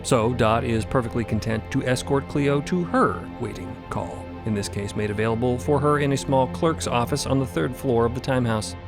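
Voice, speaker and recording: A man's voice: mid-range voice, normal speed, few pauses, over music. A man narrating a scripted dramatic story as one of several narrators.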